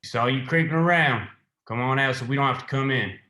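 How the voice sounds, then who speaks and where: A man's voice: medium pitch, brisk, bright, forceful tone, natural voice. Man acting menacing lawman boss, roomy echo. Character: angry, menacing, foul-mouthed male lawman boss in 1920s America. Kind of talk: screenplay table read.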